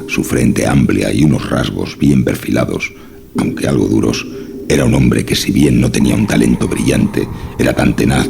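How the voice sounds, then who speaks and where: A man narrating a horror story from a script, with measured, literary storytelling. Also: rumbling low. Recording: music behind the narration. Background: clearly audible music.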